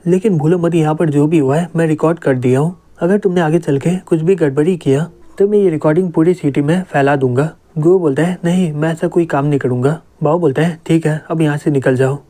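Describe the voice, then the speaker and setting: Male narrator for a comic recap, warm low-brightness tone, reads every role in his own voice. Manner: even storytelling, "he says" before each quote. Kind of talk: scripted narration, reading every character plainly.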